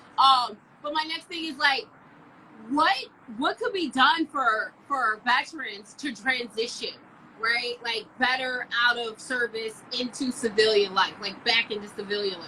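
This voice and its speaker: A woman's high voice at a fairly slow pace, with ordinary pitch variation and big swings in loudness, over noticeable background noise. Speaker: podcast host. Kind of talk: casual interview.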